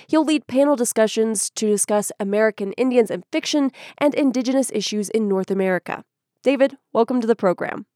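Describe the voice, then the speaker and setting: A woman with a fairly high voice hosts a public radio show. She speaks clearly and composedly. The studio sound is dry and close. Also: fairly quick, mellow, no room sound.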